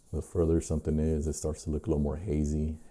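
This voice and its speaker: The voice is soft-spoken, calm in tone, and dark and mellow. Its intonation stays monotone and flat at a moderate pace. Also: man. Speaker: artist, drawing instructor. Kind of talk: casual talk to camera, art tutorial narration. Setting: studio, ASMR recording.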